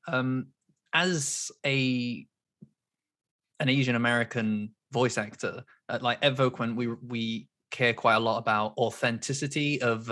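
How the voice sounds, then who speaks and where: A man's voice: mid-range voice, a bit bright. A man hosting an interview, asking questions in a friendly, loose way with plenty of fillers. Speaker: interview host. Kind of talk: casual interview chat.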